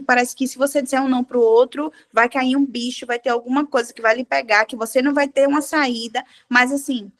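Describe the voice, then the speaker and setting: A woman with a high, bright-sounding voice shares her testimony in a relaxed devotional chat among women. She tells her stories animatedly and acts out the dialogue as she goes. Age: adult with a child. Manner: animated storyteller, acting out dialogue. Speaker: devotional group participant.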